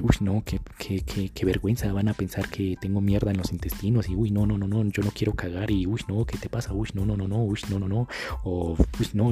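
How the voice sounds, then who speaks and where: A man's voice: fairly low pitch, dark tone. A young man with a Colombian accent talking in a casual monologue as a dating coach. He is crude and slangy, and he acts out the voices he quotes. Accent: Colombian Spanish.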